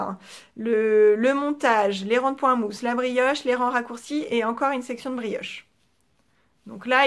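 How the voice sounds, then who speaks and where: A woman with a French accent chats easily about her knitting, filling pauses with small fillers and soft, trailing asides. Her voice is slightly high, and she addresses a camera as a podcast host in a casual show-and-tell.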